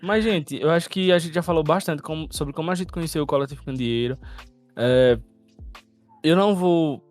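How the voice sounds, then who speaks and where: A man's voice: fairly high pitch, moderate pace, a little mellow, faint music behind. A man hosting a podcast, steering the talk with a hesitant, restarting manner. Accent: Brazilian Portuguese. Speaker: podcast host. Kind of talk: casual chat.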